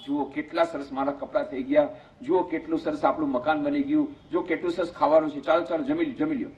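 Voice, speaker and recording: A man's voice: on the high side, fairly even intonation, fast talker, darkish tone, lightly acted. A man voicing a poor village wife who coaxes and pleads eagerly, told within a sermon. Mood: coaxing. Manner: coaxing, eager. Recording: muffled lo-fi lecture recording.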